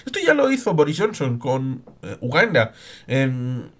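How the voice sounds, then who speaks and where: A man reading news reports aloud with commentary, in a halting delivery with hesitant pauses and asides. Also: medium pitch, sing-song.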